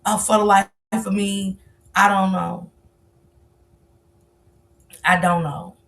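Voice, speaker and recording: A woman's voice: mid-range voice, fairly even intonation, takes it slowly, gravelly. A woman, hosting a livestream and speaking candidly to viewers in casual, confessional chat. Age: 40s. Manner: candid, confessional, talks straight to viewers and calls them baby. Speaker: livestream host. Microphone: livestream mic.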